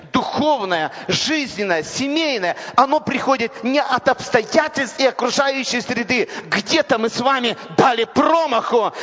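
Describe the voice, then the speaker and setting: A man preaching a sermon with impassioned, repetitive build-ups that rise to shouts. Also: very high-pitched. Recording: dull lo-fi recording in a reverberant hall.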